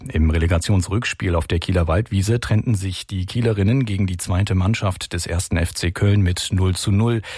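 A very deep, husky male voice reading the news, measured and formal. The sound is dry and close, as in a radio studio. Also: darkish tone, dry recording. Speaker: newsreader. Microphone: studio microphone.

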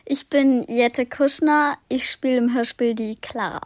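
A northern German teenage girl answers as a studio guest, a little hesitant as she searches for words. Her voice is fairly high and dry. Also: fairly even intonation, measured pace, dry recording. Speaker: studio guest, radio drama voice actor.

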